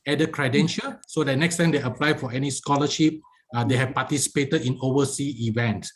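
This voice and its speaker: A man's voice: mid-range voice, fairly quick. A man speaking in a video meeting, explaining an exam program at length and repeating his points in non-native phrasing. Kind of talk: online meeting discussion. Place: video call.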